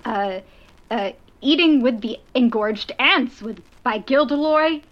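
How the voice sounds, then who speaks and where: A woman's voice: a little high, slow. A woman playing a vain, boastful male celebrity wizard and charming fraud, heard as a dull, lo-fi old recording. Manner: boastful, self-promoting, evasive.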